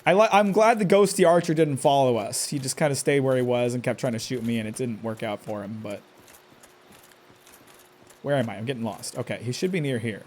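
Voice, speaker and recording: A man's voice: medium pitch, fairly quick, darkish tone, slight background noise. A man commenting on his own game live, stressed, talking to himself and cursing at enemies with sudden outbursts. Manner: talks to himself, curses at enemies, jumpy outbursts. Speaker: streamer playing a game live.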